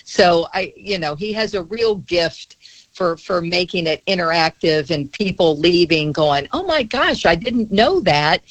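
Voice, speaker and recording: A woman's voice: lowish voice, lively intonation, unhurried, no room sound, poor audio. A woman who works as a TV news anchor, chatting on air in a polished, complimentary way. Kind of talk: on-air chat.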